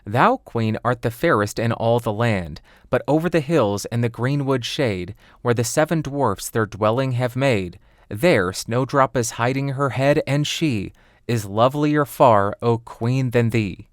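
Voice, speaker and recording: A man voicing a solemn, truthful magic looking glass, reciting verse in a measured, formal way. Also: medium pitch, dry recording, clean studio sound, natural voice.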